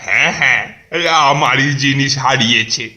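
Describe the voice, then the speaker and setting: A man's voice: mid-range voice, fairly even intonation, normal speed, pushed and bright. A man voicing a stammering, grumbling old grandfather in a cartoon. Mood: fretful. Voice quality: hesitant stammer. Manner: grumbling, scolding. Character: stammering grumpy old grandfather, petty and scolding. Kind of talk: cartoon voice acting.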